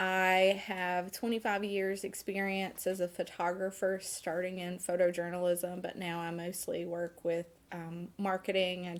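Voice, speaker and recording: The speaker is a woman with a medium pitch. She takes a fairly slow pace. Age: 40s. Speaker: photographer and class instructor. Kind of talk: interview. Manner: halting, many fillers.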